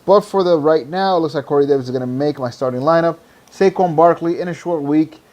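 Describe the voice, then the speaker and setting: Hoarse, tired man swearing casually. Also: fairly high pitch, fast, darkish tone. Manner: loose, rambling, swears freely. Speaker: podcast host. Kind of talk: casual fantasy football talk.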